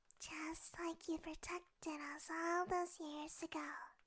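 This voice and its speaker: The pace is very slow. The voice is soft-spoken. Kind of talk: sleep roleplay monologue. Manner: soft, hushed sleepy-time little-sister voice.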